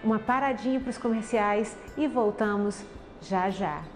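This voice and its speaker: A woman's voice: mid-range voice, a little slow. Reverberant Brazilian woman presenting TV links. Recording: reverberant, with faint music.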